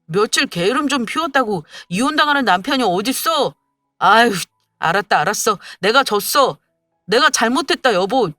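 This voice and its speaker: A woman's voice: fairly high pitch, expressive, normal speed, sharp tone, dry recording, clean studio sound, faint music behind, voice pushed up. A woman voicing a young husband who argues defensively and pleads with his wife in a storybook radio drama. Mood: pleading.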